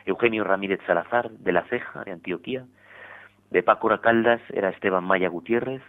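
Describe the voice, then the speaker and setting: On a religious radio interview, a priest with a deep male voice comes through a tinny line. His explanations are measured, and he keeps tacking on tag questions.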